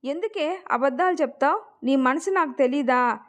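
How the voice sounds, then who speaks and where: A caring young friend presses with gentle, coaxing questions, voiced by a woman narrator. The tone is high and light. It is a supportive storybook friend in a family romance. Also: animated, moderate pace. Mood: probing.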